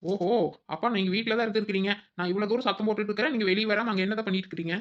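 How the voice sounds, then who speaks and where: A cheeky young daughter-in-law in a cartoon, played by a woman, whining and needling in a quick, mid-pitched voice. The sound is a bit dull and lo-fi. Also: fairly even intonation, natural voice. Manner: whiny and cheeky. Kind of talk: cartoon voice acting.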